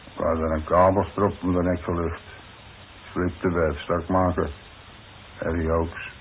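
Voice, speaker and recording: A man's voice: deep voice, little pitch movement, unhurried. An actor playing a plain-spoken, worried demolition foreman in a 1960s radio play, talking in blunt, colloquial working-man's language. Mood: weary, blunt. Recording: muffled, noisy 1960s radio recording.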